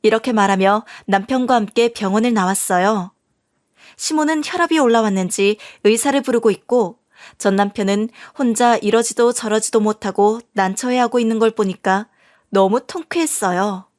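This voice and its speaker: Woman narrating a story, slightly high voice. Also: normal speed, a little mellow, no echo, studio quality. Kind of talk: first-person story narration.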